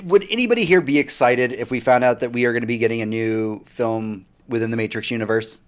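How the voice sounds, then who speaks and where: A man's voice: mid-range voice, fast talker. A man hosting a casual podcast chat, moving through topics loosely and laughing along the way. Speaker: podcast host.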